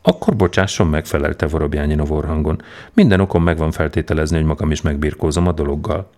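A man's voice: a bass voice, darkish tone. A man voicing a fussy aging nobleman who haggles stiffly and flares up in indignation. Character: fussy aging male nobleman, proud and easily offended.

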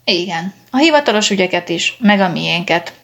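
A woman voicing a jolly round-faced father who jokes loudly, in a storybook reading. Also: lowish voice, lively intonation. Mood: jovial. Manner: hearty, loud and joking.

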